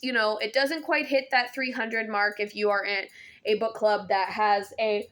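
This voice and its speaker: A woman's voice: mid-range voice, fairly even intonation, normal speed, a bit bright. A young adult woman giving a casual book review vlog, chatty, with many ums and restarts.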